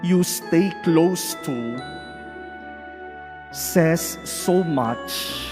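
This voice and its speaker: A male priest with a Filipino accent, reading the gospel and preaching in a slow, measured liturgical way, his voice ringing with a long cathedral echo. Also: on the high side. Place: large church. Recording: reverberant church with faint music.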